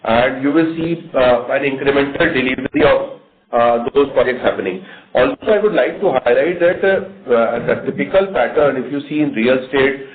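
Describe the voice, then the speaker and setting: A man with an Indian accent answering as a company executive on an earnings call, halting often and repeating words. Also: mid-range voice, animated. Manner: halting, frequent stalls and repeats. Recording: tinny phone line, faint noise.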